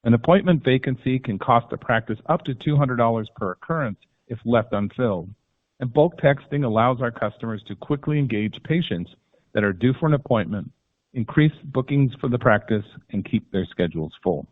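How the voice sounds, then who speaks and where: A man's voice: mid-range voice, lively intonation, a little fast. A man in the role of a company executive formally reads prepared remarks on an earnings call. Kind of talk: scripted earnings call presentation. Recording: tinny phone-line conference call audio.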